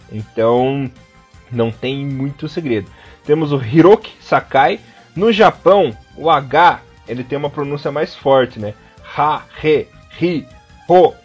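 A man from southern Brazil with a southern Brazilian Portuguese accent, co-hosting a podcast in a casual, patient way, repeating names slowly and now and then slipping into crude jokes. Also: medium pitch, husky. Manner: blunt and crude when joking. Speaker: podcast co-host. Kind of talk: casual podcast chat teaching name pronunciation. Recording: dull lo-fi podcast audio with faint music.

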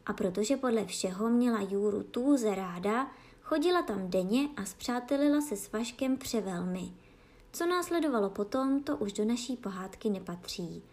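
A woman reading a fairy tale aloud as a bedtime story, gentle and expressive. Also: mid-range voice.

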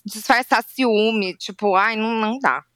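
Bright, crisp Brazilian woman. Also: fairly high pitch, a little slow, no echo. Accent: Brazilian Portuguese. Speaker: podcast co-host. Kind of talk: casual chat.

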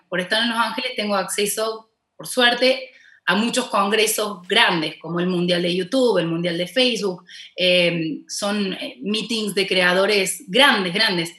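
In a casual interview, a woman with a Córdoba Argentine accent recounts her journey from TV host to content creator, speaking passionately and emphatically. She has a mid-range, sharp-toned voice, and the recording sounds roomy.

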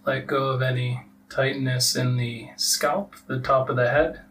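A man leading a guided relaxation meditation as a teacher, giving soft instructions with long pauses. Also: medium pitch, level tone, faint music behind. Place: live group meditation session. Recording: distant mic with faint background noise.

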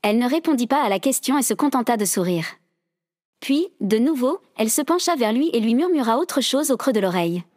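A woman doing the scripted narration of an audio drama in a steady storytelling manner. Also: a little high, fairly quick, no echo, clean studio sound.

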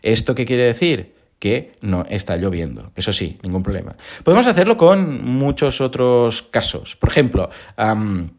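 Lively man explaining logic. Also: medium pitch, normal speed. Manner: lively, animated explaining with rhetorical questions. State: recovering from hoarseness. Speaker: podcast host. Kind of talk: casual explanatory monologue.

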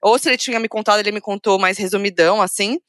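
A woman with a Brazilian Portuguese accent co-hosting a podcast, chatting casually and telling stories in a giggly, animated way. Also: medium pitch, very fast, no room sound, studio quality. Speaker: podcast co-host. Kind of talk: casual chat.

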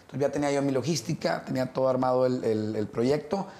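A middle-aged man, telling stories as an interview guest in a relaxed, rambling way with many fillers and restarts. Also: mid-range voice, fast, reverberant. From Mexico. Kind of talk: casual interview conversation.

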